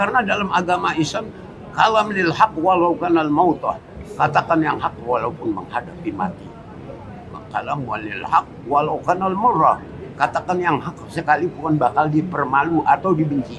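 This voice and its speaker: This man's fairly high voice moves at a moderate pace while noticeable background noise plays behind him. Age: 80s+. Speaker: land heir in a dispute. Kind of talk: interview testimony. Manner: halting.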